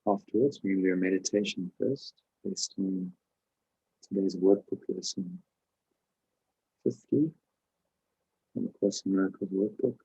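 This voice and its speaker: A man leading a guided meditation as a spiritual teacher, giving calm, measured instructions with pauses. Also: low voice, creaky, husky, lo-fi sound.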